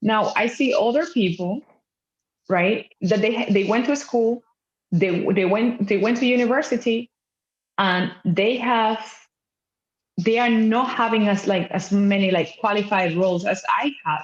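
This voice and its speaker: In a non-native accent, a woman speaks with a fairly high, somewhat breathy voice, ordinary pitch variation and very even loudness. Her pace is fairly slow, with long, frequent pauses. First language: not English. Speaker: former lawyer, book club co-host. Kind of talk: casual discussion. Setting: livestream.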